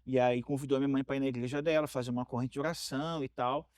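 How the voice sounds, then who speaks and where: A man in his forties with a Carioca accent, a pastor telling his story in a relaxed chat, often repeating words as he gathers his thoughts. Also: medium pitch, rapid-fire, no echo, clean studio sound. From Rio de Janeiro, Brazil. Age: 40s. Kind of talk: casual interview storytelling.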